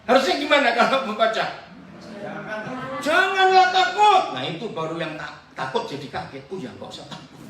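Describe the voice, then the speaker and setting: Male pastor, preaching sermon; bright animated delivery, quizzes the congregation; distant, echoey hall sound. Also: sits high, fast. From Papua. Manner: lively preaching, questions the congregation, jokes. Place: church hall.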